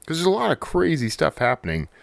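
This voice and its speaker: A man's voice: on the high side, wildly swooping pitch, fast talker, gravelly, no echo. A man hosting a podcast, chatting casually and solo in a rambling, conversational way that often doubles back on itself. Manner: rambling, conversational, self-interrupting. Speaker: podcast host.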